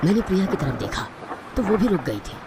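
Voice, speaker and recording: A man's voice: high-pitched, big pitch swings, brisk. A man narrating a scripted first-person horror story in a dramatic manner. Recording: loud music over the voice. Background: loud music.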